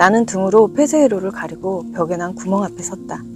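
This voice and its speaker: Over music in the background, the speaker moves at a moderate pace with very wide pitch swings. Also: woman. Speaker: novelist reading her own work aloud. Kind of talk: calm literary reading for audio, ASMR-style.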